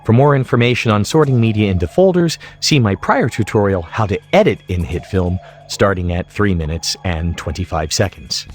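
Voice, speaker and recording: A middle-aged man giving scripted tutorial narration in a deliberate, emphatic way. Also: lowish voice, expressive, faint music behind. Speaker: software tutorial instructor.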